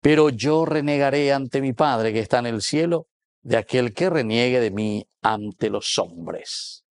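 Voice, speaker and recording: A man's voice: mid-range voice, animated, a little slow, no room sound. A man in his fifties with a Paraguayan accent, preaching as a Catholic priest. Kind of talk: sermon with scripture reading. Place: small indoor wood-panelled chapel. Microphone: lapel mic.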